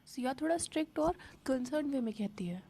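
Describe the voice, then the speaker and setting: A woman's voice: sits high, lively intonation, a little fast, gravelly, warm tone, a little hiss or hum. A woman narrating a love story in a plain, conversational storytelling style.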